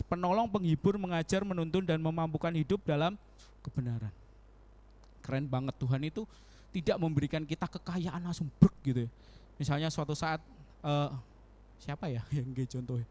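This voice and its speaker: A young man preaching a casual sermon in a church, animated, acting out prayers in quoted voices and laughing often. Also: fairly high pitch, normal speed. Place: church hall.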